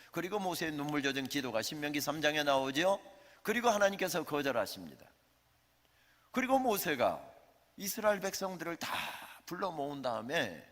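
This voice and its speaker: A man's voice: on the high side, fairly bright tone. A male pastor delivering a sermon, telling the story conversationally and addressing the congregation with questions. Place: church sanctuary. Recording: reverberant church sanctuary.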